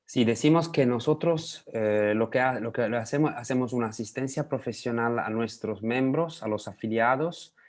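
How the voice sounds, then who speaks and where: A man from Italy with an Italian accent, speaking Spanish as a second language in a video call interview, pausing often with fillers. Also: mid-range voice. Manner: hesitant, many pauses and fillers. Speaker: interview guest, lobbying association head.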